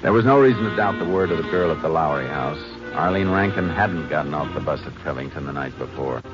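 A man playing a calm, terse Texas Ranger who questions and narrates in a 1950s American radio drama. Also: very deep voice, fast talker, highs cut off. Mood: stern, controlled. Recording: band-limited vintage radio recording with music.

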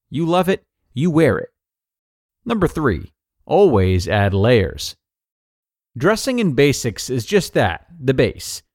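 A man reading a scripted personal advice article aloud in an upbeat, tidy manner with clear phrasing. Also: medium pitch, dry recording, clean studio sound.

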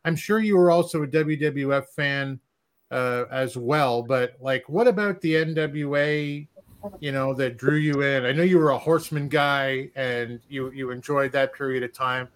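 A man's voice: medium pitch, moderate pace. A man hosting a podcast and asking a guest questions with enthusiasm. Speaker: podcast host. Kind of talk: casual interview.

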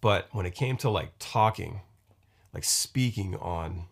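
A man in his forties hosting his own podcast, talking casually in a rambling, halting way, full of restarts and fillers. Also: low-pitched, creaky, breathy edge. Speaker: podcast host and musician. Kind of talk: casual solo podcast monologue. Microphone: podcast microphone.

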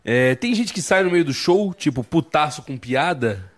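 A man's voice: fairly high pitch, animated, normal speed. A male podcast host asking a question from a listener, tripping over his words. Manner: stumbles over reading a question. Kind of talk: casual podcast interview.

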